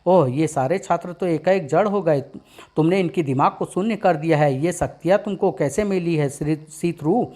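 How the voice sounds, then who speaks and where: A man's voice: a little high, normal speed, mellow, lightly acted. A man doing a bold young comic-book superhero. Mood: determined. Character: brave young male superhero, determined and bold.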